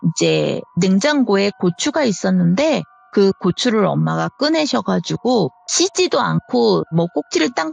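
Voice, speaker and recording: A woman's voice: mid-range voice, vocal fry, no echo. A woman in her fifties telling her own horror story in a chatty, conversational way, acting out the voices of the people in it.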